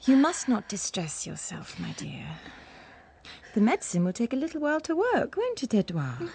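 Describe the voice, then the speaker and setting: Honeyed scheming stepmom, voice swoops up and down, radio play. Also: female voice, sits high, wildly swooping pitch, moderate pace, a little mellow, slight background noise, heavily acted. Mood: coaxing. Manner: honeyed, coaxing, insistent. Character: scheming, falsely sweet stepmother. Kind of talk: radio drama acting.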